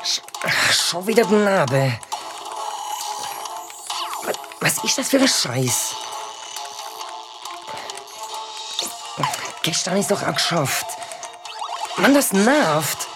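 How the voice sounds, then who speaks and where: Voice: medium pitch, sing-song, slow, pauses often, over music. A performer voicing a cheeky, grumbling schoolboy, who narrates and mocks others in a children's audio drama. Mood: annoyed. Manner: sulky, sarcastic, grumbling. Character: cheeky gamer schoolboy, grumpy and mocking. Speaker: narrating lead character.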